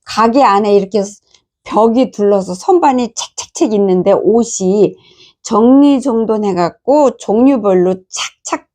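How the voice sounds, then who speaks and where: Middle-aged woman missionary, mid-pitched, earnest testimony storytelling. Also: unhurried, mellow. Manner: earnest storytelling, quoting others in a higher voice. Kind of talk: testimony of a dream.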